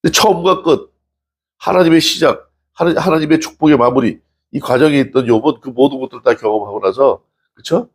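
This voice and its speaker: A man's voice: medium pitch, a little fast, slightly rough. A male pastor preaching a sermon in a conversational way, asking the congregation questions and acting out scripture dialogue. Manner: acts out dialogue from scripture stories.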